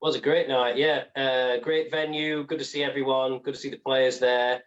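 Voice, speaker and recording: A man's voice: medium pitch, little pitch movement, normal speed. A man co-hosting a podcast in casual chat, heard through a dull lo-fi connection.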